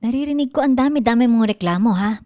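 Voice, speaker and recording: A woman's voice: fairly high pitch, fast talker, warm tone, natural voice. A woman playing a nagging, hardworking mother who coaxes and sighs in an improvised radio drama. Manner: nagging, sighing, coaxing. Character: nagging, hardworking middle-aged mother who supplies snacks.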